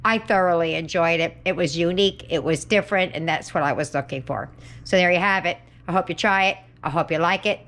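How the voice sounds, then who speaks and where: A woman's voice: fairly low pitch, fairly quick, a bit bright. A woman hosting a home cooking video, chatting casually in her kitchen and at the family table, sometimes talking with her mouth full. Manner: chatty and homey, talks while eating.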